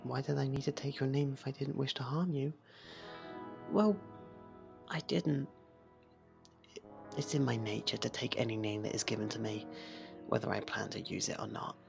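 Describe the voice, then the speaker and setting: A woman voicing a possessive, softly menacing fairy royal in love, coaxing in an ASMR roleplay and slipping into whispers. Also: a bass voice, fairly even intonation, moderate pace, gravelly, long pauses, music in the background, full character voice. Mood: calm, coaxing.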